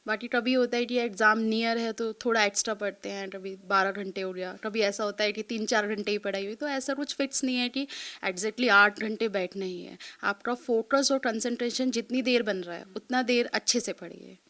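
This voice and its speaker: A woman's voice: mid-range voice, steady tone, normal speed, a bit bright. A woman in her thirties from Delhi, answering an interviewer politely, often saying ma'am and mixing English words into her talk. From Delhi, India. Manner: polite, keeps calling the reporter ma'am, mixes English words in. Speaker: interviewee, exam topper. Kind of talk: answering a reporter's interview questions.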